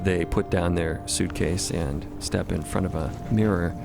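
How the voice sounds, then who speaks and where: A man narrating audio fiction in a wry, deliberate, semi-improvised storytelling manner. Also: deep voice, steady tone, vocal fry, over music.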